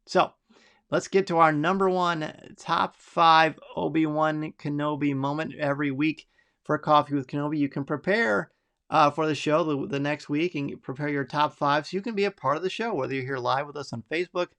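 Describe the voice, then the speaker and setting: A man's voice: a little high, steady tone, normal speed, fairly bright tone. A middle-aged man hosting a live podcast, chatty and enthusiastic as he reads out listener picks and reacts to them. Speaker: podcast host.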